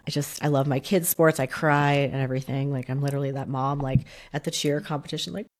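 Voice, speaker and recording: Low-voiced woman, nasal from a cold. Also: steady tone, fast. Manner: chatty, emotional, lots of fillers. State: nasal and slightly raspy from a cold. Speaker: podcast co-host. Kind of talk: casual chat.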